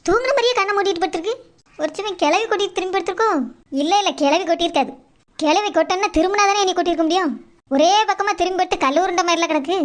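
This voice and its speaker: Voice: very high voice, fairly bright tone. A performer voicing a grumbling, suspicious village woman in a cartoon, complaining and accusing in a southern Tamil Nadu accent. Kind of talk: Tamil cartoon character dialogue.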